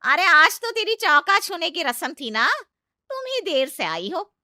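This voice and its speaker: A woman voicing a loud, sharp-tongued middle-aged aunt-in-law who taunts and scolds. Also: very high-pitched, big pitch swings, measured pace, no room sound, studio quality, pitched above the performer's own voice, heavily acted. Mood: scolding.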